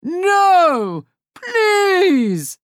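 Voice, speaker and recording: A woman's voice: on the high side, big pitch swings, slow pace, dry recording, clean studio sound, voice pushed up. A woman voicing a pompous, bullying male pirate captain in a storybook reading, commanding and haughty. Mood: pleading. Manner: haughty and commanding, turns to pleading when scared.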